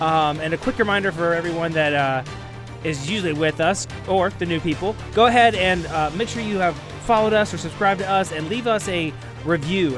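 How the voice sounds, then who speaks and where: A man hosting a podcast, giving a casual, conversational intro and recap. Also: on the high side. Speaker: podcast host. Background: music.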